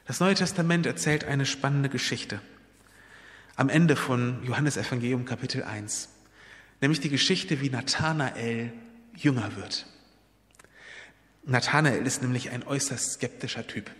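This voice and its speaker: A man's voice: mid-range voice, measured pace, long pauses, fairly bright tone, big-room sound. A man preaching a sermon, retelling a Bible story in an earnest, personal way and appealing directly to his listeners.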